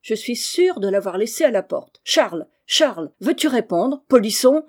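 A woman reading aloud, voicing a miserly, sharp-tongued old cousin who scolds her servant. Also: mid-range voice, very animated, normal speed. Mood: scolding. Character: shrill miserly old cousin, harsh mistress.

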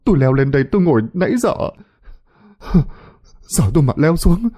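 A man's voice: fairly high pitch, animated, normal speed, mellow, voice pushed up, natural voice. A man voicing a terrified fisherman in an audio horror story, whining and whimpering in panic. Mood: whining, fearful.

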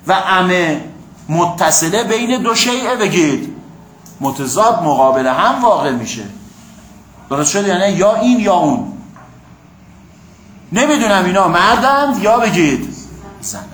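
A man's voice: high voice, fairly bright tone. Man lecturing in an echoey classroom. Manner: explanatory, asks the class "got it?". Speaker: teacher of Quranic exegesis and Arabic. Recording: echoey room, faint hum.

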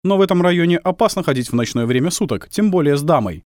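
Мужчина-чтец озвучивает вежливого, но настороженного немецкого фельдфебеля из патруля. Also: male voice, fairly high pitch, lively intonation, quick pace, darkish tone, no echo, studio quality, voice pushed up, close to an everyday voice. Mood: wary. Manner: deferential, cautious. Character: wary polite German patrol sergeant.

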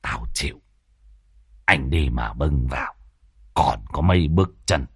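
A man voicing a grumpy bald old village man in a spoken ghost story, with a gruff, muttering manner. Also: very deep voice, expressive, a little slow, a bit bright, no echo, studio quality, pitched below the performer's own voice, exaggerated voice.

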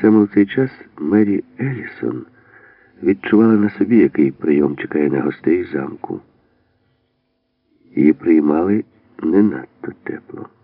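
A man narrating an audiobook in a steady storytelling manner. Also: deep voice, normal speed, long pauses, no room sound. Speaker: audiobook reader. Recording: dry, phone-like narrow band.

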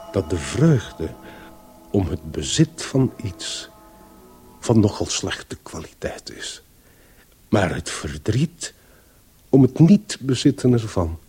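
Solemn, slow male storyteller. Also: sits low, warm tone, husky, exaggerated voice. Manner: measured, solemn. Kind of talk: scripted dramatic radio narration.

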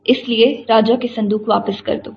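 A woman's voice: a little high, fairly even intonation, creaky, lo-fi sound, a little hiss or hum. A woman voicing a defiant male slave who gives orders in a commanding manner, in a storybook reading.

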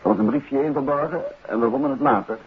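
An actor playing a composed, courteous detective in 1950s radio drama style, urgent but reassuring, on an old radio recording. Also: male voice, a little high, sing-song, fast talker, vocal fry, narrow, tinny audio, a little hiss or hum. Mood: businesslike, urgent.

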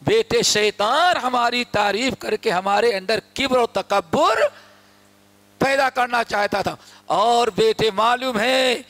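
A man preaching a sermon, telling stories with animated delivery and acting out the voices of the people in them. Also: very high-pitched. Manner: animated storytelling, acts out quoted voices. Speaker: Islamic scholar.

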